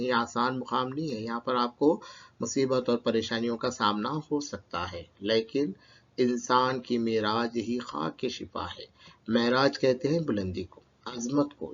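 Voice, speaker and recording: A man's voice: mid-range voice, a bit bright, muffled recording. A male teacher explains a poem line by line to students, asking questions and then answering them himself. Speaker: Urdu teacher.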